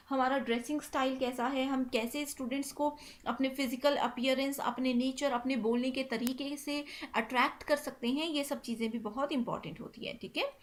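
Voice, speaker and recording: A young woman delivers an exam-prep lecture with a high, light voice. She works through the material in a steady explanatory tone, dropping in English terms and pausing on a quick "theek hai" as she moves between points. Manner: repeats "ठीक है" constantly, mixes English terms into Hindi.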